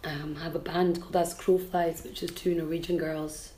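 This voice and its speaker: This is a young woman from Scotland, a folk singer and fiddler, giving a casual interview with a frank, lively manner and frequent ums. She speaks in a low voice at a moderate pace.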